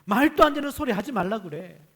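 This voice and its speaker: A man's voice: sits high, expressive, brisk, voice pushed up. A man preaching acts out a proud army general who rants indignantly. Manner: indignant ranting, rising loud. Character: proud, furious foreign army general, male.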